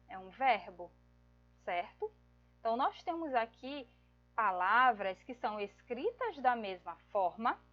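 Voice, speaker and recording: Patient lady teacher explaining grammar real slow, keeps checking everyone's following, kinda muffled audio. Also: fairly high pitch. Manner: patient, explains step by step with frequent check-ins. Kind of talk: grammar lesson.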